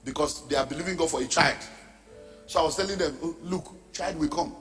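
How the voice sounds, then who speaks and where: A middle-aged man, preaching a sermon as a pastor, forceful and rising to shouts. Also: a little high, fairly quick. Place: church or large hall. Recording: reverberant hall with background music.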